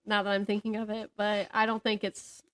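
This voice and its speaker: A woman's voice: mid-range voice, monotone, fairly quick, a bit bright. A woman in her thirties chatting casually about books as a podcast co-host, giggly and gushing. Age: 30s.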